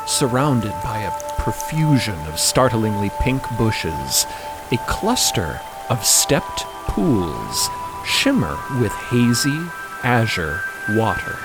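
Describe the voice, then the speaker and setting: A man narrating a scripted fiction podcast in a measured manner, savoring descriptive phrases. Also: medium pitch, poor audio.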